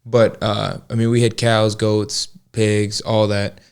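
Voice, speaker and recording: A man's voice: fairly low pitch, monotone, slow, clean tone. A man in his twenties with an American accent, chatting casually as a podcast co-host in a joking, talkative way. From Georgia, United States. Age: 20s. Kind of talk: casual relationship podcast chat.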